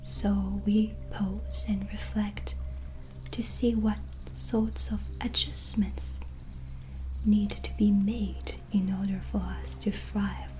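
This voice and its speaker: A woman playing a gentle, reassuring white witch tarot reader in a breathy, soft-spoken ASMR whisper. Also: medium pitch, level tone, slight background noise, close to an everyday voice. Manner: slow, pausing, soothing, reflective. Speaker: ASMR roleplayer giving a tarot reading. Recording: soft music behind close voice. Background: soft relaxing music.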